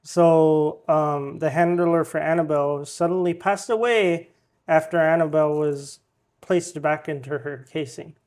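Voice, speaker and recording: A man with a slightly high voice hosts a podcast, reading out news stories at an unhurried pace. He's relaxed and casual, sprinkling the headlines with plenty of ums and uhs.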